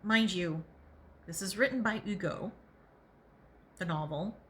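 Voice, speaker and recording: A woman hosting a podcast, reading aloud and adding opinionated, emphatic commentary, sometimes pausing to think out loud. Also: medium pitch. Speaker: podcast host and reader.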